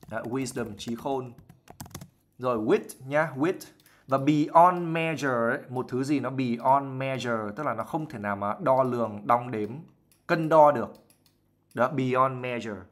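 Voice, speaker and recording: Chatty male English teacher on a live stream. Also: medium pitch. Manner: chatty and explanatory, often sprinkling English words into his explanations; laughs and acts out examples while explaining. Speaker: IELTS teacher. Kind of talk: live vocabulary lesson, reading a novel aloud and explaining words.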